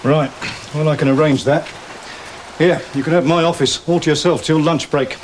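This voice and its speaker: An actor playing an exasperated but reasoning senior teacher in a British television drama, with wry, patient reproach. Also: male voice, a little high, steady tone, normal speed, slight background noise, natural voice, low-quality recording. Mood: firm reasoning. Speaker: actor in a school drama series.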